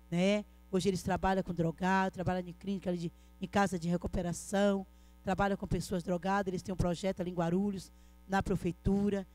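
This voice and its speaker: Middle-aged woman, church testimony, rapid earnest delivery, speaks directly to the congregation. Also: lowish voice, warm tone. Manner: earnest storytelling, often addressing listeners as brother.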